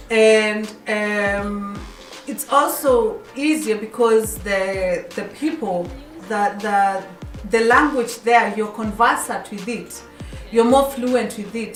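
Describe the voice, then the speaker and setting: A woman's voice: mid-range voice, far from the mic. Woman host, raised in Kenya, Kikuyu native; rambling chat, echoey off-mic sound with music behind. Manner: chatty, repeats and restarts words. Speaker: radio show host. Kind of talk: casual radio chat.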